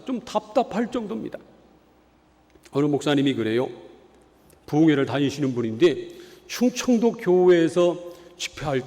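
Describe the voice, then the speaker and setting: A male pastor with a notably high voice delivers an earnest sermon, often asking the congregation questions. He is from the Chungcheong region of Korea. His voice rings with the long reverb of a church hall. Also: darkish tone. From Chungcheong, South Korea. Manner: earnest preaching with rhetorical questions. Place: church sanctuary.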